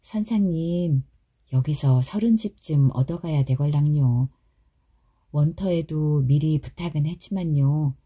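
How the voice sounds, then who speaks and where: A woman voicing a cheerful, chatty young village wife who speaks in a folksy, drawn-out Chungcheong dialect. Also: sits low, warm tone, husky. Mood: coaxing chatter. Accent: Chungcheong Korean dialect.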